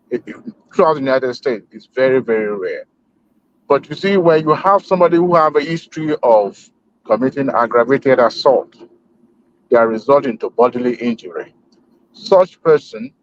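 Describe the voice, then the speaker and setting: A man in a group voice chat debate, heard over the call line, arguing in a measured way with many hesitation fillers. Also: mid-range voice. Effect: heard over a group voice chat connection. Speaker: panel discussant. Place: at home in Texas. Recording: dull lo-fi online call audio.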